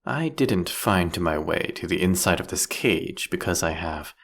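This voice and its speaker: Man voicing a deep, gravelly, mocking vampire king. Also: fairly bright tone, exaggerated voice. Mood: mocking, bitter. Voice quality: husky, gravelly. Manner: theatrical, mocking, drawn-out, teasing phrasing. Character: captured vampire king, male, sardonic, taunting, silkily menacing. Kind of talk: scripted audio roleplay monologue addressed to the listener.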